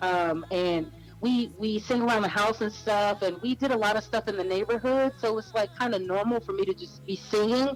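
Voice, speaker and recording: Music plays behind a woman talking at a fairly quick pace. Her pitch is fairly high and her intonation lively. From Louisiana (Baton Rouge), raised in the Bay Area. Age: 30s. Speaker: R&B singer. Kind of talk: interview.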